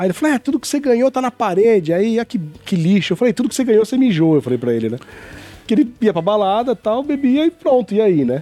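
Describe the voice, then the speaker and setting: A man speaks at a very fast pace in a high pitch. His intonation is lively. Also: dry, close sound with no echo. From Greater São Paulo, ABC region. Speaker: chef. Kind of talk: casual chat. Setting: live stream studio in a shop.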